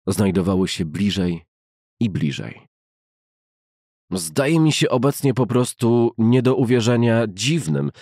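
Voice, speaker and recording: A man reading a classic novel as an audiobook narrator, in a measured, carefully enunciated way. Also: lowish voice, dark tone, no echo, clean studio sound.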